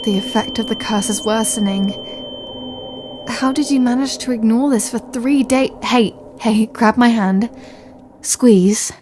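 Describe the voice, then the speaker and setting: A woman's voice: on the high side, unhurried, background noise, natural voice. A woman playing a capable, caring scholarly wizard in an ASMR fantasy roleplay, speaking to the listener in an articulate, bookish, reassuring way. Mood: concerned, urgent. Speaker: audio roleplay performer.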